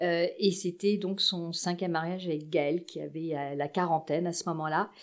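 A woman talks at a fairly slow pace in a fairly low pitch with fairly even intonation, on a very clean recording with a silent background. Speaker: former expat in the US. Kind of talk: casual chat.

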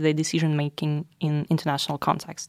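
In a Russian accent, a woman speaks on a very clean recording with a silent background and a dry, close sound with no echo. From Russia, St. Petersburg. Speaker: master's student. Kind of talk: interview.

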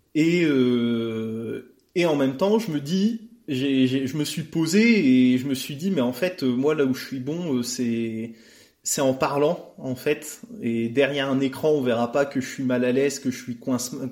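At a very slow pace, a man talks with medium pitch and ordinary pitch variation. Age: 30s. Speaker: podcast guest sharing intimate life story. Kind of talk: casual interview, personal testimony. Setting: remote recording. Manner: hesitant, many fillers.

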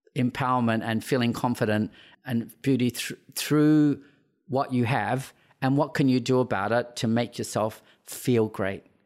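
The voice moves at a moderate pace with ordinary pitch variation. The recording is very clean, with a silent background. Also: man. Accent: Australian. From Western Australia. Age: 60s. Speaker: hairstylist. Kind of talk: interview conversation.

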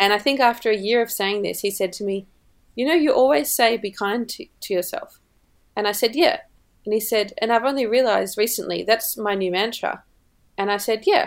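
With an Australian accent, a woman talks at a fairly quick pace in a fairly high pitch, with ordinary pitch variation, on a very clean recording with a silent background. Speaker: documentary filmmaker. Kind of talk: interview.

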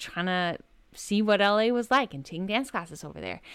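A woman speaks with a Danish accent at a medium pitch. The recording is very clean, with a silent background. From Denmark. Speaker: guest, dancer and model. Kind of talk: casual interview chat.

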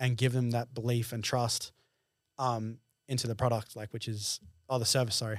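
The recording is very clean, with a silent background. A man with an Australian accent speaks at a moderate pace and a medium pitch. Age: young. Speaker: videographer and content creator. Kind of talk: casual chat. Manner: animated.

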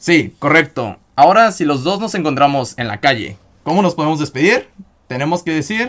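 His pitch sits fairly high and swings very widely. The man talks at a moderate pace. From Mexico. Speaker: language teacher podcast host. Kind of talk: language lesson.

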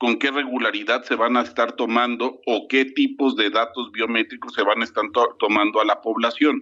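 Here a man speaks at a moderate pace. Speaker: senator. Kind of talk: interview. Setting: phone call.

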